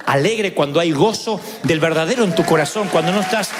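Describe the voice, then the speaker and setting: A man preaching a sermon, telling stories and rising to shouted calls to celebrate. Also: fairly high pitch, a little fast, big-room sound, some chatter behind, a little hiss or hum. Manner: storytelling, building to shouted exhortation. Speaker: pastor.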